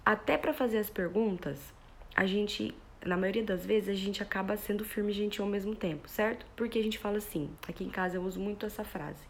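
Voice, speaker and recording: A woman's voice: medium pitch, brisk, slight background noise. A woman parenting educator gives a live talk to parents. She explains with everyday examples and keeps checking in with her listeners. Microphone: phone.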